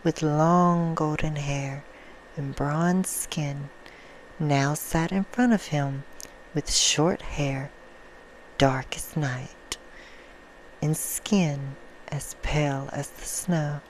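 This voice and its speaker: A woman voicing a soothing yet menacing female vampire in an ASMR roleplay, telling a bedtime story in a hushed manner that drifts into whispers. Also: low voice, steady tone, drawn-out words, low-quality recording. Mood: hushed storytelling. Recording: clear background noise.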